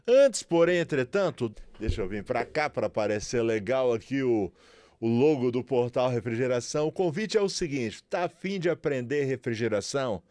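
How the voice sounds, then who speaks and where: A man's voice: mid-range voice, lively intonation, moderate pace, darkish tone, no echo. A man from Brazil with a São Paulo accent, teaching refrigeration in a chatty, promotional way and often checking in with "certo?" and "beleza?". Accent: Brazilian Portuguese, São Paulo. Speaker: refrigeration instructor. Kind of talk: casual tutorial talk to viewers.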